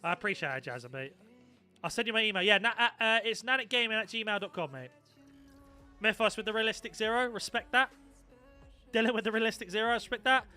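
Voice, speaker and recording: A man's voice: sits high, lively intonation, fast talker, pushed and bright, clean tone, soft background music. A young man chatting casually on a live stream, swearing freely and reacting to his viewers. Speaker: gaming streamer.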